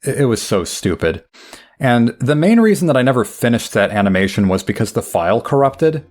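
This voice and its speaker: A man's voice: mid-range voice, big pitch swings, brisk, a little mellow. A young man giving rambling, wry, self-deprecating commentary while playing a game. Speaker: gameplay commentator. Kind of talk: casual let's play commentary.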